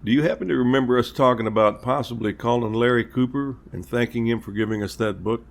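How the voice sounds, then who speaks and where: A man playing a polite, reassuring police captain, speaking in a measured, earnest way in an amateur audio drama. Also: medium pitch, steady tone, vocal fry, close to an everyday voice. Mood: friendly. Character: courteous, reassuring male small-town police captain.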